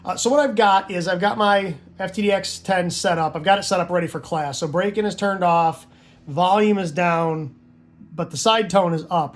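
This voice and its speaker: Man, high-pitched voice, informal instructor, conversational, checks in with short tag questions. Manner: conversational, checks understanding with tags like "right?" and "okay?". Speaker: amateur radio hobbyist teaching Morse code. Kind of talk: informal tutorial.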